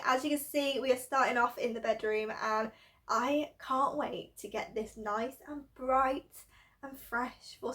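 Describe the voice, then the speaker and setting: A young woman with a head cold, sounding nasal and bunged up, chatting bubbly about cleaning her bedroom at home. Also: high-pitched. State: congested with a cold; out of breath. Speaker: home vlogger. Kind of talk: cleaning vlog chat.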